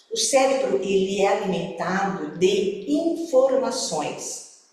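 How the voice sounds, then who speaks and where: A woman speaks very slowly in a high pitch, her voice making very wide pitch swings. Audible room echo and noticeable background noise surround her. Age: 60s. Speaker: spiritist lecturer. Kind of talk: lecture. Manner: many hesitations.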